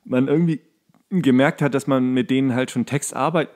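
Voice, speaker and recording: A man's voice: mid-range voice, steady tone, a little fast, darkish tone. A man co-hosting a podcast, commenting casually on a TV show, sometimes drawing words out, sometimes emphatic. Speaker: podcast co-host.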